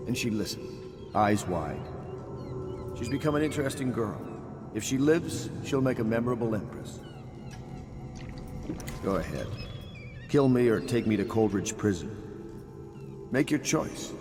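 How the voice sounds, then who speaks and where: A proud, fallen admiral broods over his ruin in a low, dramatic voice. His delivery is grave and theatrical, as in a story-driven video game, rising and falling with bitterness. It rings with long reverb. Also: lively intonation, measured pace, long pauses, music in the background. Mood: weary, resigned. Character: proud, bitter, guilt-ridden naval admiral and fallen conspirator.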